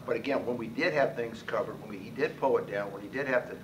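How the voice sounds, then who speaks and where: A man in his sixties, a head football coach, answering at a post-game press conference, talking quickly with many restarts and repeated words. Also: mid-range voice. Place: press room with sponsor backdrop. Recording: distant mic, noisy press room.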